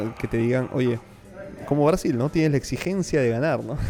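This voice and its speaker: A man speaks at a fairly quick pace with ordinary pitch variation. Noticeable background noise can be heard. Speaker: podcast host. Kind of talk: casual monologue. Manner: hesitant, many fillers and repetitions.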